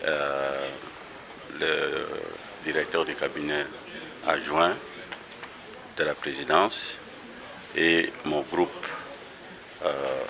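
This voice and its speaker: Very deep-voiced slow halting man. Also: background noise. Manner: slow, halting, many hesitations. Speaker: health official. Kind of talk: press statement. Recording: dull lo-fi news audio.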